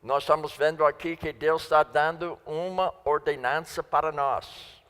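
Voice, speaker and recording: A man's voice: on the high side, fairly even intonation, moderate pace, fairly bright tone. A man preaching a sermon in Portuguese, which is not his first language, stressing and repeating key phrases. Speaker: guest preacher. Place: church sanctuary. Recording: long church reverb.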